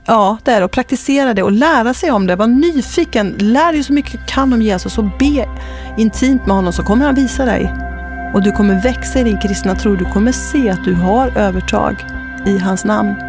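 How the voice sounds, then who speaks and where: A woman's voice: on the high side, music in the background. A woman speaking as a guest on Christian radio, telling a personal story in an earnest, emphatic way. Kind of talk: testimony-style radio talk.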